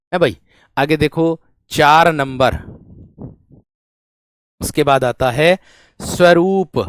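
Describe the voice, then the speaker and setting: A male teacher with a Hindi-speaking North Indian accent and a medium-pitched voice gives an exam-prep grammar lesson. He repeats each point, checks whether students have understood, and calls them friend and brave one. There is no room sound.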